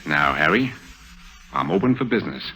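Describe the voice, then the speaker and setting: A man's voice: extremely low pitch, big pitch swings, fairly quick, rough recording. A man playing a scheming racket boss in a 1950s radio drama, clipped, commanding and coolly persuasive. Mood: smooth scheming. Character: scheming middle-aged racket boss, calm and menacing.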